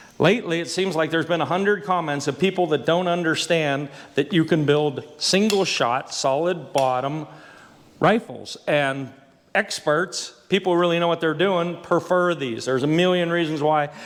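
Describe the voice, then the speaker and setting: High pitch from a man, varying in an ordinary way. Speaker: gunsmith. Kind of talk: tutorial. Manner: fast.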